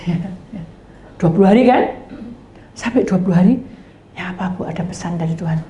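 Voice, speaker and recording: A woman's voice: on the low side, a little fast. A middle-aged woman pastor, telling a sermon story and acting out each side of the conversation, sometimes dropping to a whisper. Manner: animated storytelling, acting out both sides of conversations, drops to whispers. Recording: echoey room with faint background noise.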